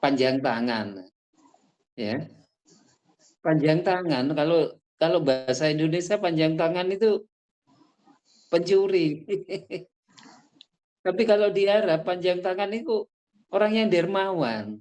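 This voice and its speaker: A man adding explanations in a casual religious study talk, speaking in a measured, explanatory way. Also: sits high, darkish tone, rough recording.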